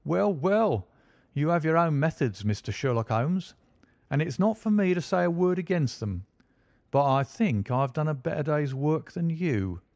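A brash, self-satisfied police inspector, put on by a man reading a storybook aloud, pushing his voice up high and boasting insistently. He talks with eager, lively bluster, as if he alone has cracked the case. The reading is recorded dry, with no room sound. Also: unhurried, dry recording. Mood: boastful.

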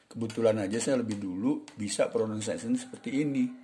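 Chatty, mellow-voiced male English tutor. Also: fairly low pitch, a little fast, slight background noise. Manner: chatty, with frequent polite apologies and fillers. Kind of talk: casual video lesson.

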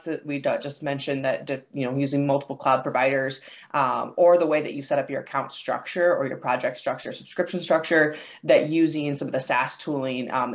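A woman's voice: extremely low pitch, lo-fi sound. Upbeat woman panelist on a video call. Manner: upbeat, agreeable, many "you know" fillers. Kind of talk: webinar panel discussion.

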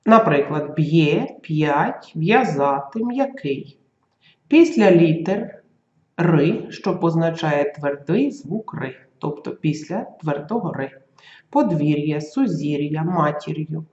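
Teacher dictating a grammar lesson, slow and careful, roomy dull lo-fi recording. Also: medium pitch, expressive, a little mellow. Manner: slow, careful dictation, sounding out letters and examples.

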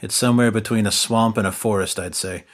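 A man's voice: fairly low pitch, fairly even intonation, fairly quick. A young man narrating and playing his character in a tabletop game, with a dry, exasperated manner. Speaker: player narrating as main character.

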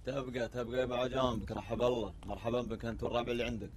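A man's voice: medium pitch, flat delivery, rapid-fire, crowd noise. A man with a Qatari accent, a team captain in a desert camp, answering the host with courteous blessings. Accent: Qatari Arabic.

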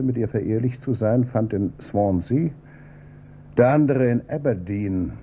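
An actor playing an insistent police inspector in a German radio crime drama, questioning in a measured, pointed way. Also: male voice, low voice, dark tone. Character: probing male police inspector, calm and insistent. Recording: dull old radio recording with faint hum.

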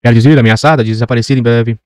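A man's voice: mid-range voice, fairly even intonation, rapid-fire, clear, resonant tone, no echo, clean studio sound, natural voice. A man voicing a self-important old geographer who lectures pedantically. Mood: lecturing. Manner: lecturing, pompous.

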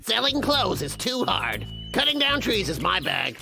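A man's voice: extremely high pitch, huge pitch swings, unhurried, gravelly, exaggerated voice. A man voicing a scheming, luckless logger with whiny, theatrical muttering and outbursts in a cartoon. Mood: grumbling, plotting. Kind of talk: exaggerated cartoon voice acting. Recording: loud music behind.

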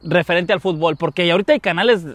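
A man with a Mexican accent hosts a laid-back podcast conversation, his voice sitting high for a man. He talks in loose slang, swearing and joking as he goes. The sound is dry and close, with no room around it. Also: quick pace, fairly bright tone, no echo. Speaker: podcast host. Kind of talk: casual podcast chat.

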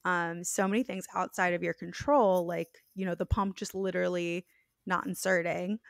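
A young woman with a raspy voice co-hosting a podcast, talking frankly and joking in a casual chat. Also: fairly low pitch, steady tone, moderate pace, no room sound, clean studio sound. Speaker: podcast co-host.

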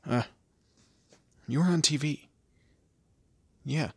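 Casting: male actor as weary, sardonic captive in intimate roleplay audio, bright rough-edged voice, hesitant delivery. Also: a little high, takes it slowly, no room sound, full character voice. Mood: hesitant, curious. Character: weary, wry young man kidnapped by a mob boss. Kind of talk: first-person roleplay audio drama, conversational.

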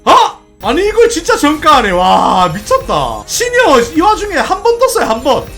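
A gaming channel host giving casual commentary as they play, excitable, laughing often, pleading with the game and talking straight to viewers. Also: sits high, moderate pace, soft background music. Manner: talks directly to viewers.

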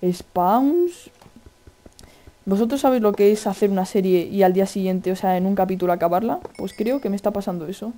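Man, Spain Spanish accent, excitable gameplay commentary, mellow tone. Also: high voice, a little fast. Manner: excitable, chatty, exclaiming. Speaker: gaming video host.

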